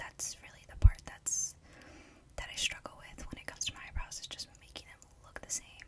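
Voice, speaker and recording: Whispering at a fairly quick pace, a woman swings widely in loudness over noticeable background noise. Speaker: ASMR creator. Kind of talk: ASMR makeup tutorial voiceover. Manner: whispered; chewing gum while talking.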